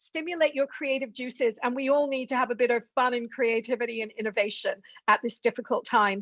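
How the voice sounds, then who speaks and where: Speaking with a British accent, a woman uses a high pitch, a bright, sharp tone, an enthusiastic tone and ordinary pitch variation. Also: dry, close sound with no echo. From England, then Canada from age 14. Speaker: biology professor. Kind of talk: webinar presentation.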